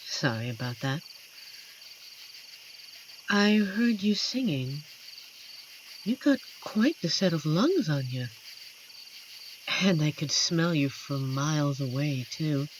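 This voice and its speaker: Woman playing a low-voiced, slow-talking amiable werewolf. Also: animated, a little hiss or hum, rough recording. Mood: sheepish, friendly. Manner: unhurried, teasing, chatty with dramatic pauses. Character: amiable, playful female werewolf guardian of a forest. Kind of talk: scripted audio roleplay addressed to the listener.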